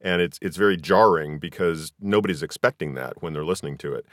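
A man's voice: low-pitched, quick pace, no echo, studio quality. A man hosting a podcast, speaking conversationally as he interviews guests.

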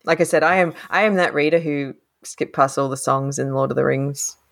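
An Australian woman co-hosting a podcast, talking through a novel in a thoughtful, animated way and laughing often. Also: extremely low pitch, brisk, creaky. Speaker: podcast co-host, critic. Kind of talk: casual book discussion.

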